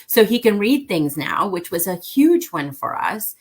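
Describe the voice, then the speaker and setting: A woman's voice: medium pitch, sing-song, a little slow, breathy edge. A woman from Mexico, a parent of an autistic son, talking earnestly as a guest in a casual interview and repeating her key points for emphasis.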